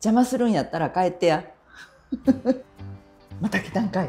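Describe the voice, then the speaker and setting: With an Osaka accent, a woman speaks in a fairly low pitch. Faint music plays in the background. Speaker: guest from Osaka. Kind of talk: casual conversation. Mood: playful, joking. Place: studio.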